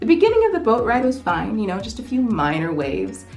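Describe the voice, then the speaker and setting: With music in the background, a woman speaks with very wide pitch swings. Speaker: travel vlogger. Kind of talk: casual storytelling to camera.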